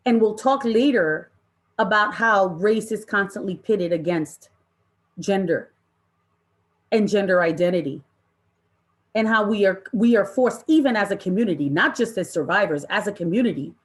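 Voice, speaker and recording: Woman running an online training, impassioned and emphatic, asks questions n repeats stuff for effect. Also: medium pitch. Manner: emphatic, deliberate, with rhetorical questions and repetition. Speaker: presenter leading a training session. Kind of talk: impassioned interactive workshop talk to an online audience.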